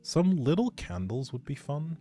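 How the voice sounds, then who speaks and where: A man's voice: fairly high pitch, sing-song, normal speed, warm tone, faint music behind. A man chatting casually to viewers on a game livestream, musing aloud as he plays. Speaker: game streamer. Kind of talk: casual livestream chat while playing a life-simulation game.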